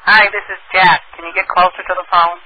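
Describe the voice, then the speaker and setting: A man hosting a radio show who makes deadpan, teasing prank phone calls. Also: sits high, a little fast. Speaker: radio host and prank caller. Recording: dull lo-fi radio recording, faint noise.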